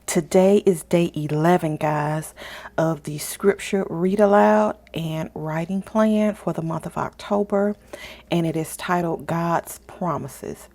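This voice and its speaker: A woman hosting a faith vlog and reading aloud in a measured, deliberate way. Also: on the low side, a little mellow. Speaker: faith journaling channel host. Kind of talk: vlog narration and scripture read-aloud.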